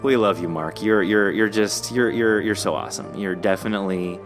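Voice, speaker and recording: A man's voice: lowish voice, brisk, music in the background. A man hosting an interview podcast, chatting informally with an effusive, encouraging manner. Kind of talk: casual interview chat.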